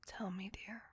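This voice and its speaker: A woman's voice: pushed and bright, no room sound. A woman whispering as a tormented centuries-old vampire. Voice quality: whispered throughout. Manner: slow, brooding, intimate. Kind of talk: ASMR audio roleplay.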